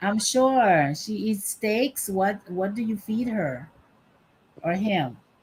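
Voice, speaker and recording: At a very slow pace, a woman with a medium pitch and lively intonation speaks in a somewhat breathy way. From Caribbean. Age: 50s. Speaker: live stream host. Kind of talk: casual chat. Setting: live stream on tablet.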